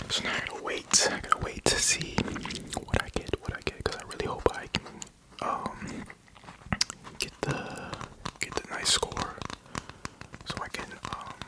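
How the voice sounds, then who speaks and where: Whispering in a relaxed tone at a moderate pace, a man leaves long, frequent pauses as noticeable background noise plays. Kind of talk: casual talk to camera. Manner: soft-spoken, whispered, relaxed.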